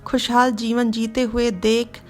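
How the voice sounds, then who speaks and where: A woman voicing a gentle, devoted young man who speaks softly and comfortingly. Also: a little high, level tone, unhurried, faint music behind, close to an everyday voice. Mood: tender. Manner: soft, comforting.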